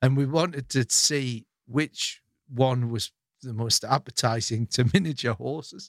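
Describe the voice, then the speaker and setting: The voice is a plain, everyday voice, moving at a fairly slow pace with ordinary pitch variation. The sound is dry and close with no echo. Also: man, medium pitch for a man. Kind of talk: casual chat.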